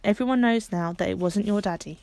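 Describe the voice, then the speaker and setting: A gentle, loving father, voiced by a woman reading aloud, speaking in a soft, reassuring way. The recording is dry and close. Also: medium pitch, a little fast, no echo, lightly acted. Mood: tender. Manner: tender, reassuring.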